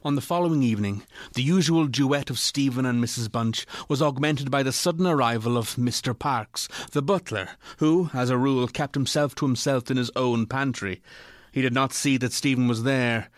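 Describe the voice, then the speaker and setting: A man narrating a literary ghost story in a measured, formal way. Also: medium pitch, no room sound, clean studio sound, lightly acted.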